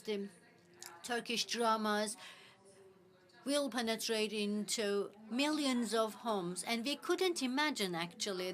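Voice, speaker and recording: A woman giving live spoken interpretation into English for a panel, speaking in halting phrases with frequent restarts and fillers. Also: mid-range voice, a bit bright.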